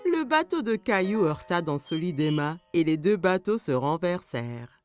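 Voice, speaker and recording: A woman narrating a children's cartoon as an expressive storyteller, reading scripted story lines. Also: fairly low pitch, normal speed. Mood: storytelling. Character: woman storyteller narrating a young boy's day. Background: music.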